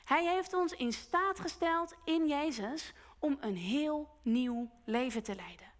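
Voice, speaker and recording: A woman preacher giving a sermon, retelling a story slowly and earnestly and voicing its characters along the way. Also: high-pitched, animated. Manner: slow, earnest retelling with quoted voices. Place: church hall. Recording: long church hall reverb.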